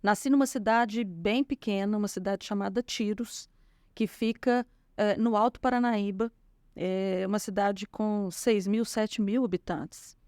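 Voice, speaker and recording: A woman's voice: medium pitch, fairly even intonation, measured pace, no room sound, clean studio sound. A woman from Minas Gerais, Brazil, with a Minas Gerais accent, a guest telling her life story in an interview, full of small fillers. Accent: Minas Gerais Portuguese. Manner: warm storytelling with frequent fillers. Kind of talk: conversational interview.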